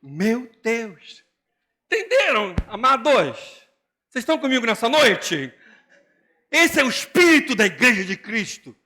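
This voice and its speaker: An older man, a pastor with a Brazilian Portuguese accent, preaching an animated, joking sermon and mimicking other people's voices. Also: extremely high pitch, measured pace.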